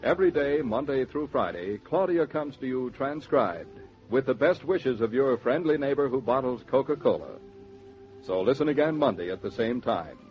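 Smooth male announcer for sponsor spots, middle pitch, soft music under, old radio sound. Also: expressive, normal speed. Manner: smooth, polished ad delivery. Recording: dull 1940s radio transcription with music.

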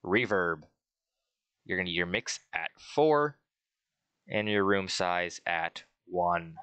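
Man, low voice, bright edge, dry close sound, casual tutorial delivery. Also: expressive, slow, smooth, no echo. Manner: rambling, with restarts and fillers, reads out settings. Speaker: tutorial creator.

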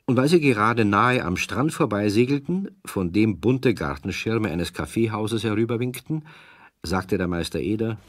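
A man's voice: on the low side, expressive, moderate pace, dry recording, clean studio sound. A man narrating a scripted children's story as the narrator of a radio play.

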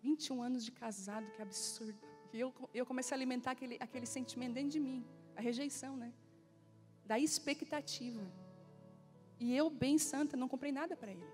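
A woman pastor in her forties preaches from the pulpit, with a high voice. She tells stories and acts out dialogue in lively bursts. Soft music plays faintly behind her. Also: fairly quick. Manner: animated storytelling with acted-out dialogue. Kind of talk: sermon. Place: church.

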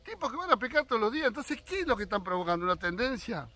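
Older Argentine man, 60s, fishing vlogger; bright, animated, opinionated straight-to-camera talk. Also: very high voice, racing, dry recording. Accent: Argentine Spanish. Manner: opinionated, talks straight to viewers. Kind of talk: casual opinion monologue. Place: outdoors on his own rural land.

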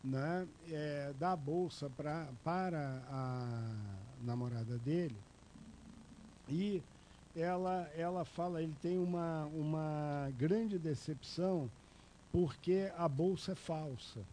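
Chatty Brazilian man lecturing, mellow voice. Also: on the high side, takes it slowly, a little hiss or hum. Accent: Brazilian Portuguese. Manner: chatty, digressive, many fillers and tag questions, gestures broadly. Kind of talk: informal public lecture. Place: lecture hall, seated at a panel table. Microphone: table microphone on a stand.

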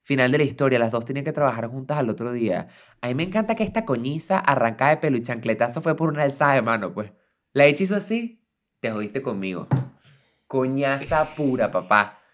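Man, young adult, Venezuelan accent, casual podcast co-host, expressive. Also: mid-range voice, a little fast. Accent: Venezuelan Spanish. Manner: expressive, reacts with repeated exclamations. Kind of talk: casual chat, reading listener stories.

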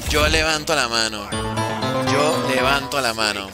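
A young man chatting jokily with his stream chat while playing, with sudden animated outbursts. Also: medium pitch, a little slow, loud music behind the voice. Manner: jokey, reads and answers chat, animated outbursts. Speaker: gaming streamer.

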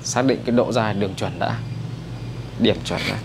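A man with a Northern Vietnamese accent giving a brisk, chatty hands-on haircut tutorial in a barbershop. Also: fairly low pitch, vocal fry, noisy background. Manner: brisk, chatty, addresses viewers as brothers. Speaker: barber instructor. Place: barbershop indoors.

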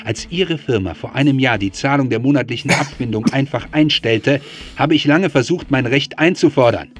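A man's voice: mid-range voice, moderate pace, faint music behind, close to an everyday voice. An actor playing a vengeful, sardonic gunman in a German audio drama, speaking with controlled menace. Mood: bitter, sardonic. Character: vengeful, bitter man holding a family at gunpoint.

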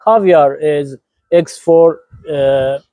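A man's voice: on the high side, very slow, warm tone, no echo. Iranian guy in a street interview, persian first language, keeps hunting for words, dry close sound. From Iran. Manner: earnest, agreeable, searches for words.

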